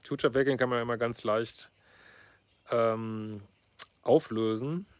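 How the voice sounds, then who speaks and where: There's no echo on this middle-aged man's steady, mid-range voice, which moves a little slowly. A couples therapist, he reads a viewer's letter in a casual vlog and responds with blunt sarcasm, using lots of fillers and "ne?" tags.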